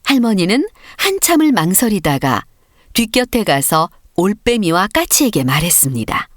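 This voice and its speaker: A woman's voice: mid-range voice, very animated, normal speed, no room sound, clean studio sound. A woman narrating a children's story as a scripted audiobook reading.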